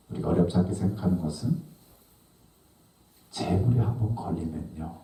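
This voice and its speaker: A male pastor preaching a sermon, swinging between loud questions and hushed, low asides. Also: creaky. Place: church sanctuary. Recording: echoey church hall from a distance.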